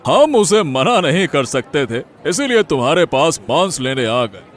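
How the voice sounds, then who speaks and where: A man's voice: fairly high pitch, very animated, unhurried. Easygoing chuckling village man, a man voicing him. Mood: jovial. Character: jovial male village householder, indulgent.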